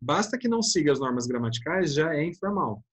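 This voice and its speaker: A man's voice: a little high, sing-song, fairly quick, husky. A man with a Brazilian Portuguese accent teaching a casual online class, chatty and informal, constantly checking in with his students. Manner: chatty, keeps adding "né?" and addressing students as "galera".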